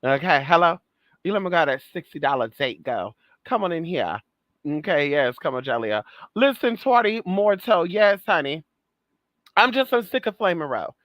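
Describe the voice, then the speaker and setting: A woman's voice: fairly low pitch, sing-song, moderate pace, no room sound. A trans woman vlogging in a sassy, profane monologue, calling listeners girl, honey and baby and repeating phrases for emphasis. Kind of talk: casual monologue rant.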